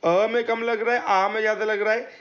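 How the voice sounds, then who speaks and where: In a muffled recording, a man whose voice sits high, brisk and fairly bright, with little pitch movement, explains an exam prep lesson step by step. He calls listeners friends, demonstrates letter sounds, and answers his own questions.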